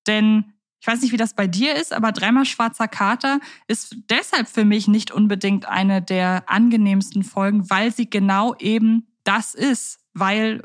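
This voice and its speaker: A woman co-hosting a podcast, talking in a relaxed, thoughtful way with frequent fillers and restarts. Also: medium pitch. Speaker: podcast co-host. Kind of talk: casual podcast chat.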